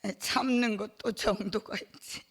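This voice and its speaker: A middle-aged woman testifies before her church gathering in an unhurried, halting way. Her voice carries a gravelly edge, and she fills the gaps with hesitations and small laughs. It sounds personal and heartfelt rather than polished. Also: medium pitch, steady tone. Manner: halting, with many fillers, laughing between phrases. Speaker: church member giving testimony.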